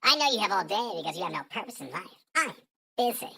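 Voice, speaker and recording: A man putting on a squeaky baby voice for a grown man who sounds petulant and taunting. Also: big pitch swings, fast talker, gravelly, bright, forceful tone, slight background noise, heavily acted.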